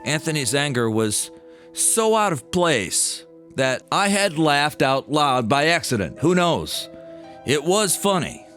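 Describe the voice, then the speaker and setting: Male memoir narrator, very expressive pitch, wry, pauses for drama; clear music bed under the read. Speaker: storyteller narrating own memoir. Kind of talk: scripted personal storytelling narration. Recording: music behind the voice.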